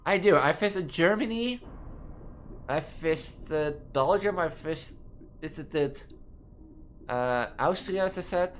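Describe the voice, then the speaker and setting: A young trans woman with a Dutch accent, reading quiz questions aloud and answering them in a rambling, halting way that restarts words mid-sentence, from her student apartment. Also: low voice, animated, a little hiss or hum. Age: young adult. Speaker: gaming video creator.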